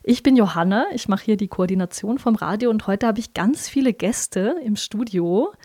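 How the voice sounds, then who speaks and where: A woman hosts a live radio music hour from the studio, talking casually and loosely with her guests. Her voice is mellow and dark, and she fills her pauses with small hesitations. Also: medium pitch, slightly rough. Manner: chatty, many filler pauses. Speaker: radio host and coordinator.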